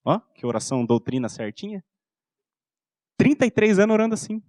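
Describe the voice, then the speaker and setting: A man in his thirties with a Brazilian Portuguese accent, preaching a sermon and telling a personal story, acting out soft-spoken dialogue with his son. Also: high-pitched, big pitch swings, brisk, no echo, clean studio sound. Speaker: pastor.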